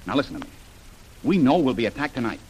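A man's voice: medium pitch, big pitch swings, quick pace, darkish tone, a little hiss or hum, close to an everyday voice, low-quality recording. An actor playing a bold, confident male jungle adventurer who takes charge in an old radio serial.

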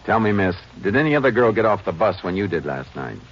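A man playing a calm, terse Texas Ranger who questions and narrates in a 1950s American radio drama. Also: fairly low pitch, fast, muffled recording, a little hiss or hum. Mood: stern, controlled. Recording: band-limited vintage radio recording with music.

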